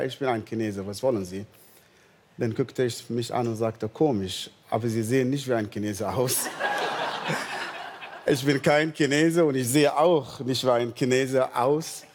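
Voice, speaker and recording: Man preaching in a reverberant hall. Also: mid-range voice. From northern Sudan. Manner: earnest, slow storytelling with non-native German grammar. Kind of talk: sermon with personal testimony.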